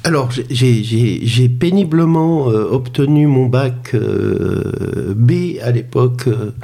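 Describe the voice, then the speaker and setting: A man in his fifties from France, a podcast guest talking in a halting, hesitant way with many fillers and restarts. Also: medium pitch, creaky, warm tone. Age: 50s. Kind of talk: conversational interview.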